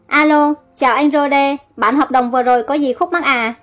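A stern young businessman, voiced by a woman narrator speaks with worried reproach in an audio storybook. The voice is high. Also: fairly even intonation, moderate pace, fairly bright tone, faint music behind.

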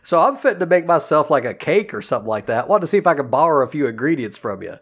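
An actor playing a cheeky, oblivious homeless drifter who rambles in a folksy way, in a comedy radio sketch. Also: male voice, on the high side, very animated, fast, slightly rough, exaggerated voice. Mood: oblivious, friendly.

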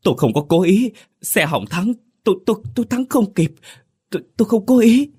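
A man voicing a panicked male truck driver who stammers and pleads that he didn't mean it, his voice pushed much higher than usual. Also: expressive, brisk, mellow, breathy edge, exaggerated voice. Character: panicked young truck driver pleading after a fatal crash.

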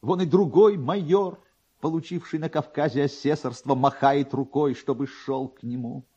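A man narrating a classic story in a theatrical, expressive style. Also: a little high, normal speed, slightly rough. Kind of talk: dramatic literary narration. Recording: dull, band-limited archive radio recording.

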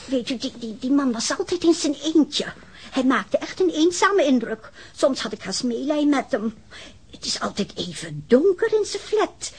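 An actress playing a chatty, nosy, easily indignant woman witness in a radio drama, rambling and insistent, with a husky voice. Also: high-pitched, very animated, moderate pace. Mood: gossipy, confiding.

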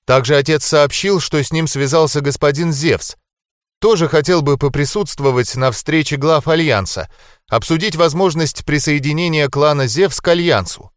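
A man voicing a young angelic wife, devoted and anxious, in an audiobook, speaking in a softly raised, earnest voice. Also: on the high side, moderate pace, no room sound, clean studio sound, pitched above the performer's own voice, natural voice. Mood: reporting.

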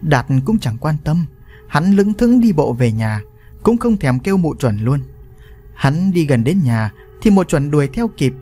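A man narrating a scripted story in an expressive, animated reading. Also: fairly high pitch, a little slow. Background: faint music.

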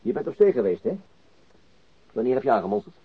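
A man's voice: mid-range voice, sing-song, fast talker, slight background noise, natural voice. An actor playing a patient, dryly persistent policeman who asks short, casual questions in a radio drama. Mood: casual, wry. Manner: laconic, questioning, hesitant prompts. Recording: dull lo-fi radio recording.

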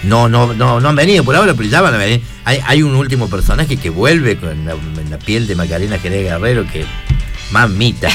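A man with a Córdoba Argentine accent hosts a live radio show, his pitch swinging up and down as he jokes and teases. He talks in quick, casual asides from a studio, and faint music plays behind him. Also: expressive. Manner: joking, teasing, quick asides. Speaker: radio host.

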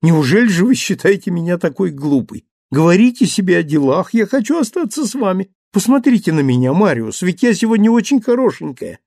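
A man's voice: high-pitched, a little fast, gravelly, hardly any pauses, dry recording, clean studio sound, voice pushed up, heavily acted. A man voicing a playful, petulant young wife who coaxes and pouts. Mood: pouting, coaxing. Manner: coaxing, pouting, lively.

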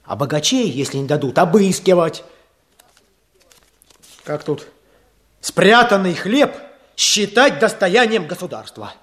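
A man's voice: high voice, animated, unhurried, long pauses, a bit bright. An actor playing an earnest village chairman who firmly coaxes and persuades peasants at a meeting in a radio play. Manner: persuasive, coaxing, firm. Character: earnest village chairman Kuzma, rural Soviet leader.

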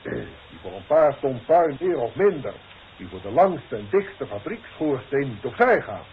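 Solemn, paternal boss for 1960s radio play: slow, swooping oratory, dull vintage recording. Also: male voice, medium pitch, sing-song, slight background noise. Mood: solemn, proud. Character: formal, paternal boss giving a ceremonial farewell speech. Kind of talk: 1960s radio drama acting.

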